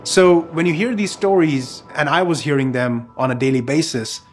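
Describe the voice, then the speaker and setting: Deliberate man explaining over guitar music. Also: on the high side. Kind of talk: documentary interview testimony.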